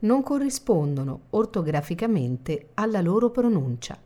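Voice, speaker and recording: A woman reading the translation of each line in a recorded language course, calm and measured. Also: medium pitch. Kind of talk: scripted instructional reading.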